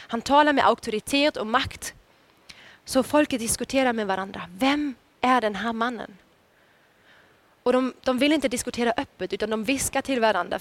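A woman preacher delivering a sermon, telling the story with dramatic rises when she quotes. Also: on the high side.

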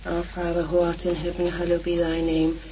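A person leads the Rosary in a solemn, measured monotone recitation. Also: mid-range voice. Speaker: prayer leader. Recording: muffled, distant lo-fi tape, faint noise.

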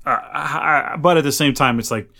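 A man's voice: a little high, moderate pace, vocal fry, bright, forceful tone. A man co-hosting a podcast in casual chat, talking in a rambling, opinionated, conversational way. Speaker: podcast co-host.

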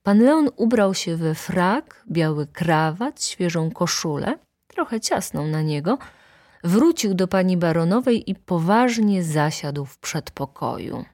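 A woman narrating a classic novel as an audiobook in a steady, even storytelling manner. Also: fairly low pitch, unhurried.

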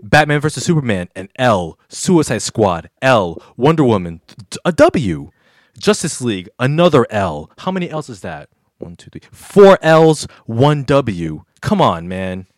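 A male podcast host talks in casual banter, teasing and boasting. His pitch swings widely. The sound is dry and close. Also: sing-song, measured pace, dry recording. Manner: teasing and boastful, stammers when worked up.

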